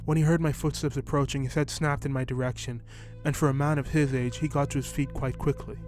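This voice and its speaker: A man reading a short story in scripted first-person narration, telling it at a steady, even pace. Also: mid-range voice, brisk, faint music behind.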